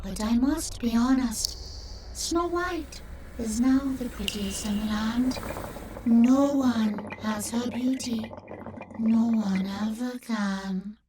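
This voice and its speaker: A woman voicing an honest magic mirror, measured and courteous, in a children's storybook. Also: fairly high pitch, recorded from a distance, noisy background. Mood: solemn candor. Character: honest magic mirror addressing the queen respectfully.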